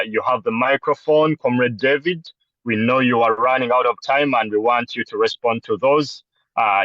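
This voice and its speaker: A man's voice: mid-range voice, bright, forceful tone, no room sound. A man politely and formally chairing an online meeting, calling on speakers in turn over a video call. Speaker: meeting moderator. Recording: slightly muffled, dry call audio.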